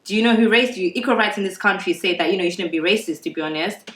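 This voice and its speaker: A woman on a discussion panel, talking in a casual, animated way, laughing and swearing freely. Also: medium pitch, quick pace. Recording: echoey room from far off.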